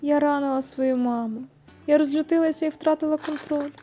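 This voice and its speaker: Lady doing a giant angry panda mom from a storybook, loud and bossy, high and mellow. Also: fairly even intonation, fairly quick, faint music behind, close to an everyday voice. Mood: tearful. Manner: roaring, scolding, commanding. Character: furious strict mother, turned giant red panda.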